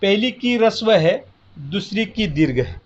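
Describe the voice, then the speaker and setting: A man with a high voice teaches a class from the board, explaining slowly and patiently one step at a time. The recording is muffled and lo-fi. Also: animated. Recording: muffled lo-fi audio.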